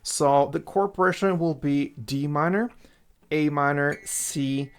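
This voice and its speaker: A guitar teacher with a fairly high, smooth voice and a slightly slow pace gives casual, step-by-step lessons. He counts out the strumming strokes as he goes while an acoustic guitar plays in the background.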